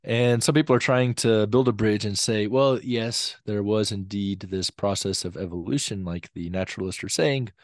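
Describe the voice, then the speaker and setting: In an explanatory interview, a young guest scholar with a voice on the low side walks through his views in measured steps, often saying "um" and still carrying a lingering cough. He's on a video call with a desk mic in a home study, and the audio is dry and studio quality.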